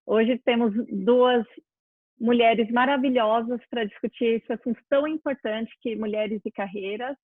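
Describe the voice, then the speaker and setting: A woman moderating a live talk, brisk and polite. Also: fairly high pitch, steady tone, dry recording. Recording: tinny dry phone-like line.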